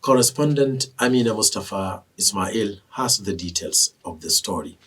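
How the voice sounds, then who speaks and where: A man with a Nigerian accent reads scripted television news as an anchor in a formal, measured way. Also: lowish voice, animated, a bit bright, husky, distant mic.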